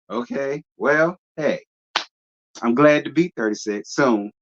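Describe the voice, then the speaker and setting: Reading his live chat aloud, a thirty-something streamer answers viewers with sass, a drawl and frequent laughs. He speaks slowly in a fairly high, lively voice, and the muffled recording carries a bit of hiss or hum.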